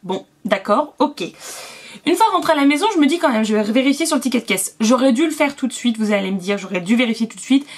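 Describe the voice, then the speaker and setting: A woman's voice: a little high, expressive. Chatty young woman vlogger. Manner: chatty, filler-heavy, quick asides. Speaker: beauty vlogger. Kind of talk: casual haul chat.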